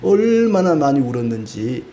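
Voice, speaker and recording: A man's voice: mid-range voice, sing-song, moderate pace, mellow, slight background noise. A man preaching a sermon in a conversational way, dropping frequent rhetorical asides and rising into pleading emphasis. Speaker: pastor.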